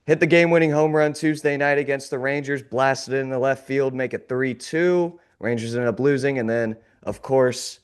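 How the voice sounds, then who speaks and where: This male sports podcast host has a mid-range voice with a clean tone, slightly off because he's recovering from illness. He talks casually in a glum, sarcastic way, joking his way past the gloom.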